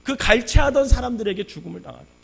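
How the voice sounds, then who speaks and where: A male pastor preaching a sermon, telling a personal story with sudden loud bursts and quiet asides. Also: very high-pitched, lively intonation, very fast, vocal fry, slightly rough, faint music behind.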